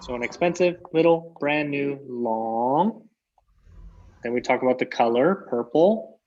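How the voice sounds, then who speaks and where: A man from Canada teaches English over a video call, calmly repeating each example so the class can follow. His voice sits in a middle register. The audio is muffled and lo-fi. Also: mid-range voice, measured pace. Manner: patient, repeats key phrases. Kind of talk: online English lesson.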